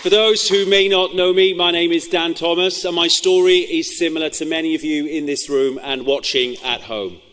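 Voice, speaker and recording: A man's voice: a little high, steady tone, moderate pace, hardly any pauses, a bit bright, a little hiss or hum. A man in his forties, a regional party leader, giving a formal, earnest prepared speech at a press event. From Wales. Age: 40s. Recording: echoey hall reverb.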